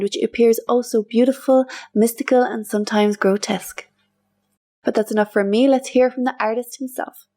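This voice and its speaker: A woman with a fairly high voice reads a scripted introduction before the interview. Her delivery is smooth and steady, the way someone reads from a prepared page. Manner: smooth, read-aloud delivery.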